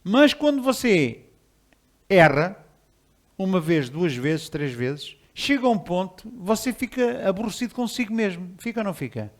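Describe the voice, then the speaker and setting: Pastor, male, somewhat high-pitched voice, casual, lively sermon delivery. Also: normal speed. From Portugal. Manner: conversational, animated, with chuckles and repeated restarts.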